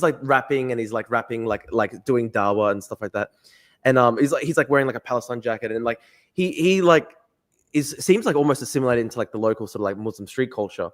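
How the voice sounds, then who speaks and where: A man hosting a podcast interview, rambling in a casual way and filling his speech with "like". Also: mid-range voice. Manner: rambling, heavy use of "like". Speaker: podcast host.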